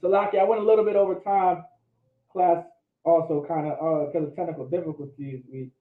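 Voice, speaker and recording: Guy teaching class, kinda high voice, keeps saying all right, tinny and echoey. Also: steady tone, a little fast. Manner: repeats "all right?" to check understanding, emphatic. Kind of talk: classroom lecture. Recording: echoey room, phone-like audio.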